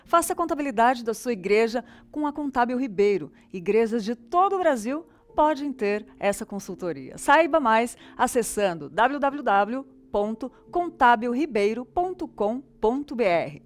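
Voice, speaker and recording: A woman's voice: fairly high pitch, big pitch swings, moderate pace, few pauses. A woman reading a scripted commercial in a polished, persuasive voice-over.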